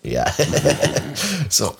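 A man's voice: a little high, huge pitch swings, very slow, gravelly, slight background noise. A man co-hosting a casual podcast, chatty and friendly, addressing the listeners directly and laughing easily. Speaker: podcast co-host.

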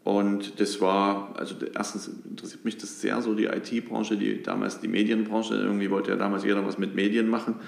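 Speaking with few pauses, a Dresden man in his thirties who runs a company as managing director takes interview questions as a guest. The sound is roomy and his voice sits on the low side, brisk and gravelly. Thoughtful in manner, he leans on frequent fillers and restarts, brightening into liveliness when animated.

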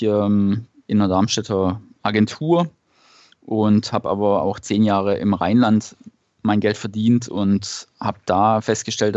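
A man in his thirties speaking as a podcast guest, relaxed and telling stories with some fillers. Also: lowish voice, dry recording. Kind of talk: casual interview answers. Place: remote, at a family gathering. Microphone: remote call connection. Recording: dull lo-fi remote call, dry.

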